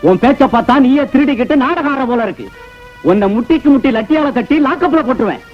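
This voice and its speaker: A blustering police sub-inspector. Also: male voice, very high voice, lively intonation, fast talker, faint music behind. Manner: bossy, threatening, blustering. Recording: dull old film soundtrack.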